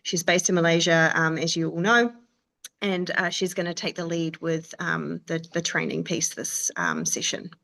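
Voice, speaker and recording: A woman's voice: lowish voice, lively intonation, moderate pace, creaky, fairly bright tone. A woman from a university staff giving a brief friendly introduction on a video call, with frequent fillers.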